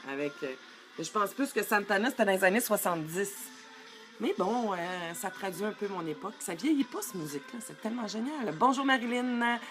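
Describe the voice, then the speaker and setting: A woman's voice: medium pitch, lively intonation, brisk. Woman, middle-aged, life coach, live-streamed talk, chatty, filler-heavy, webcam mic, faint music behind. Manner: warm, chatty, greets viewers by name, many fillers.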